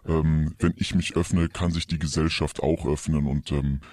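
A man on a comedy podcast playing an anonymous confessor through a distorted, pitched-down voice effect, hesitant and mock-solemn with many fillers. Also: flat delivery, normal speed, darkish tone, dry recording, studio quality. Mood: earnest. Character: anonymous male confessor hiding his identity. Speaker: podcast co-host.

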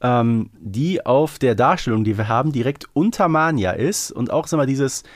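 A man's voice: mid-range voice, expressive, normal speed, dry recording, clean studio sound. A man chatting casually as a podcast co-host, musing and often tagging remarks with a short question. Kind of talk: casual conversational fan podcast talk.

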